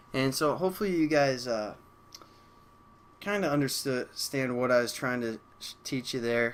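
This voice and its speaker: A man speaks at a moderate pace in a medium pitch with ordinary pitch variation, leaving long, frequent pauses. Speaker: programming tutorial teacher. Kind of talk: screencast coding tutorial. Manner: casual, hesitant with many fillers.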